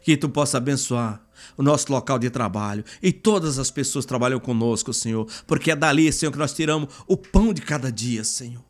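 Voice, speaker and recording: A man's voice: mid-range voice, brisk, soft background music. A Brazilian man leading a Catholic prayer aloud, unscripted, in a fervent, pleading manner with repeated invocations. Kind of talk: extemporaneous spoken prayer.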